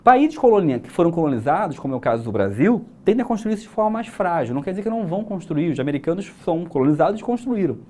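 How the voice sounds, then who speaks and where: A man's voice: a little high, sing-song, racing, few pauses, warm tone. Brazilian guy teaching a prep class, talks to you direct, lots of rhetorical questions, voice jumps up and down. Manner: chatty and explanatory, asking rhetorical questions. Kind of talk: recorded exam-prep lesson.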